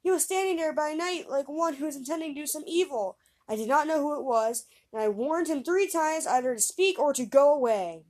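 A bold, simple young lad from a fairy tale, voiced by a woman reader, earnest and blunt in a raised, youthful pitch. He speaks plainly and stubbornly, with no fear in him. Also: lively intonation, normal speed, a little mellow.

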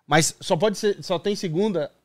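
A man's voice: high voice, normal speed, no room sound. A man hosting a casual chat, bantering playfully and boasting that he loves a challenge. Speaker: host.

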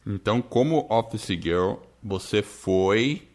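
Guy doing the interview, recaps her story, calm agreeing tone. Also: on the low side, slow pace. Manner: sums up the guest's story, agreeing. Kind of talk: interview conversation.

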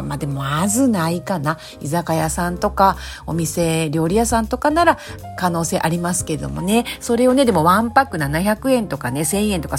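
Hoarse and raspy after a night of drinking, a low-voiced woman delivers a casual solo monologue as host of a talk show themed around a snack bar. She's polite and chatty, often softening her words with particles.

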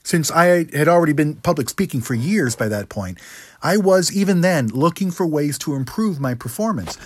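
A middle-aged man presenting a scripted lesson as a speaking coach, in a practiced higher register with deliberate phrasing and rhetorical asides. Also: lively intonation, slightly rough. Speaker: public speaking coach, host. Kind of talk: scripted instructional monologue.

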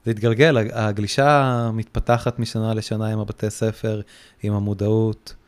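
Low-voiced hesitant man, casual chat. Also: flat delivery. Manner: hesitant, many restarts and fillers. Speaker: guest, surfboard repairer. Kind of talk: casual podcast conversation.

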